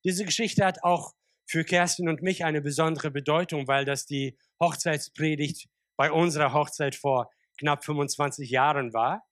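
A man's voice: on the high side, fairly even intonation, normal speed, a bit bright, dry recording, clean studio sound. A man in his forties, a pastor born in Kazakhstan, preaching a sermon in a conversational way with frequent fillers and restarts. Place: church service.

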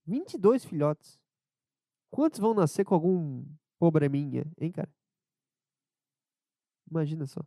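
Hungover Brazilian man rambling, higher-pitched, dry sound. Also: sing-song, a little slow, long pauses, warm tone, no room sound. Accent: southern Brazilian. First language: Portuguese. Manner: low-energy, irreverent, swearing. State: hungover, with a cold, dispirited. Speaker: podcast host and amateur comedian. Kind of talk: casual solo podcast rambling, riffing on news.

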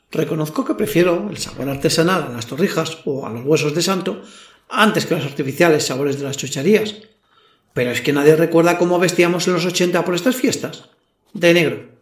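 A man playing a wry, conversational narrator in a scripted audio story, recorded with a roomy echo. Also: on the high side. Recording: roomy, echoing sound.

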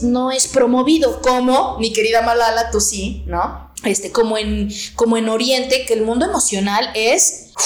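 A woman with a Mexican accent chats on a podcast in a lively, slangy way and keeps dropping emphatic asides to check her listeners follow. Her voice sits a little high. The room around her sounds echoey. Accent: Mexican Spanish. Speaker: podcast co-host. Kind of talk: casual podcast chat.

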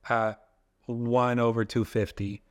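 A man's voice: mid-range voice, level tone, slow pace. A young man, a filmmaker and photographer, talking casually as a podcast guest and telling long rambling stories. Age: young adult. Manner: casual, rambling storytelling with many "like" fillers.

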